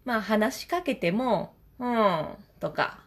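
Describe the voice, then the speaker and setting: A chatty woman. Her pitch swings widely, and she laughs often. She acts out what others said. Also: lively intonation, slow, a bit bright. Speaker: podcaster, mother of two. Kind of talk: casual spoken diary.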